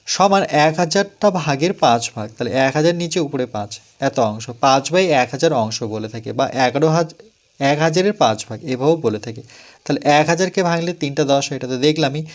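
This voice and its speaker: A man's voice: fairly high pitch, animated, quick pace. A man with a West Bengal Bengali accent, teaching a math lesson step by step and patiently counting each step aloud. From West Bengal, India. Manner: patient, repeats and counts steps aloud, asks and answers own questions. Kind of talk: step-by-step classroom explanation.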